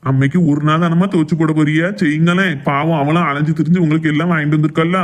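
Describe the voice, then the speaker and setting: For an amateur cartoon family drama, a middle-aged man voices a stubborn Tirunelveli village father who protects his family and brushes off objections assertively. He speaks very quickly in Tirunelveli Tamil, slightly high and steady, near his everyday voice, with a gently chiding mood.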